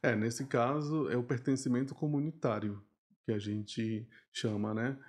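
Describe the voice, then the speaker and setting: Fairly slow speech from a man at a medium pitch. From Brazilian Amazon region, born in Bolivia. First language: Spanish (speaking Portuguese). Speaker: professor of education. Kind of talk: podcast interview.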